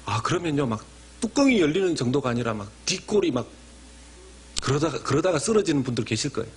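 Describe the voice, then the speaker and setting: A man preaching a Sunday sermon as senior pastor, acting out short imagined dialogues in a quieter voice and climbing sharply in pitch and loudness for emphasis. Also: big pitch swings, fast talker, husky.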